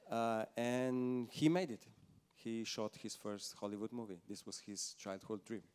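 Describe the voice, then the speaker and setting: A man with a low, smooth and resonant voice speaks on a business panel. He talks directly and candidly. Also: fairly even intonation, unhurried, a little mellow. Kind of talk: panel discussion answers.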